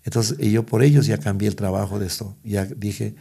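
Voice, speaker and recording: Gravelly middle-aged man. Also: on the low side, steady tone, a little fast, warm tone. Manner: rambling with many restarts. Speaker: guest musician. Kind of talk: storytelling interview.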